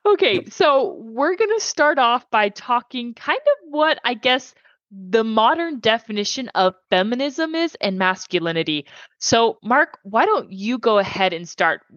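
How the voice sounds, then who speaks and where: A woman's voice: on the high side, animated, a little slow, fairly bright tone, no room sound. Lady hosting a chatty podcast, friendly and loose, dry lo-fi sound. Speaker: podcast host. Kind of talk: casual chat.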